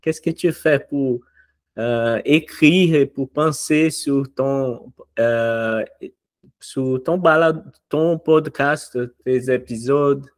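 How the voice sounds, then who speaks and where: A man hosting an interview in a learned language, his first language Brazilian Portuguese, pausing to search for words. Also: medium pitch, dry recording. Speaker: podcast host. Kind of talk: casual interview questions.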